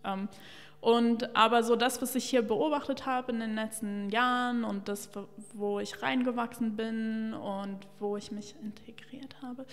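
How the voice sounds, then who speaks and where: A young woman with a fairly high voice speaks frankly into a stand mic as a podcast guest. Her talk is casual and full of fillers, and she gives her opinions openly. The bare room adds a long trailing reverb. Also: a little slow. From Luxembourg. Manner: candid, opinionated, lively with many fillers. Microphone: studio mic on a stand.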